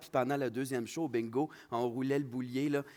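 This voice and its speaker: A man talks at a moderate pace. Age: 20s. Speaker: drag queen and comedian. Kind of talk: casual talk-show interview. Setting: stage with live audience.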